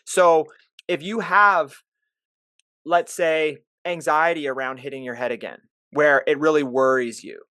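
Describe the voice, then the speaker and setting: Man, middle-aged, host on a live call, fairly high voice, dry close sound, plain coaching explanations. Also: steady tone, a little slow, sharp tone, clean tone, no room sound. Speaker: podcast host and clinician.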